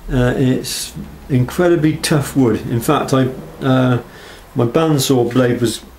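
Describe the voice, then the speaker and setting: A man's voice: medium pitch, slow pace, darkish tone. Hesitant man, noisy workshop recording. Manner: hesitant, unscripted, understated. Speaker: knife maker presenting work. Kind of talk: casual workshop show-and-tell. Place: small block-walled workshop. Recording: camera audio with clear background noise.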